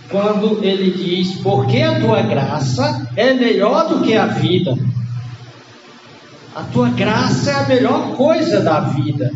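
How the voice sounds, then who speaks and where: A Brazilian man preaching a sermon as pastor, with a cold that makes his voice congested, teaching in an unhurried way and stressing key words. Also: high-pitched. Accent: Brazilian Portuguese. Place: church hall. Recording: echoey hall, dull lo-fi sound, noisy background.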